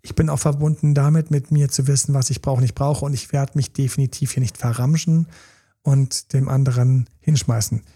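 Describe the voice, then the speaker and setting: In casual podcast talk, a relationship coach speaks quickly in a medium-pitched, husky voice with a dark tone and fairly even intonation. He voices partners' pleas in character, occasionally lowering to a whisper.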